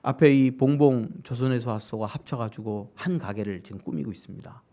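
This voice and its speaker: A male pastor preaching a sermon. He keeps putting questions to his congregation and acts out what other people say. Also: fairly quick. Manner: animated, asks the congregation questions directly; acts out quoted voices with sudden high-pitched outbursts.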